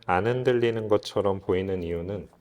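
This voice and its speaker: A man's voice: deep voice, a little fast, a little mellow. A man speaking as a guest expert, explaining philosophy in an earnest, reflective, lecture-like way. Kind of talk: explanatory interview talk on philosophy. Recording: reverberant hall-like room.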